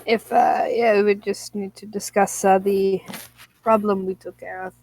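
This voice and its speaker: A woman's voice: mid-range voice, fairly even intonation, normal speed, a little mellow, no echo, rough recording. A woman chatting casually as a player in a tabletop game.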